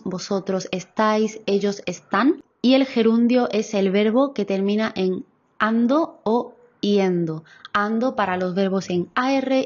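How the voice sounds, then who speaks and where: A woman from explains grammar in a very measured, unhurried way, spelling out each example. Her voice sits at a middle pitch, and the recording sounds a little muffled. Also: darkish tone. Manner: slow, careful, clear explanation with examples. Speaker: Spanish teacher. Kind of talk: grammar lesson.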